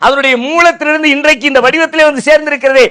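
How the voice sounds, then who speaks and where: A man preaching from a stage podium, chanting scripture verses slowly and then explaining them in everyday speech. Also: very high voice, steady tone, sharp tone. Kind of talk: Islamic sermon on a stage. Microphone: podium microphone.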